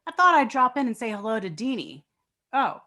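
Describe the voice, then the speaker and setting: A woman's voice: fairly high pitch, sing-song, fairly quick, pushed and bright. A woman playing a polite, hesitant, sincere teenage boy in a dramatic table read. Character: earnest, shy, polite teenage boy suitor.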